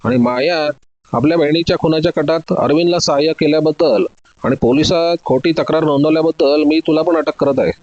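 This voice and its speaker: Cool male detective in an audio story, measured and commanding, slightly dull sound, as the narrator puts him on. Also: a little high, dry recording, close to an everyday voice. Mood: accusing. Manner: calm, commanding, methodical.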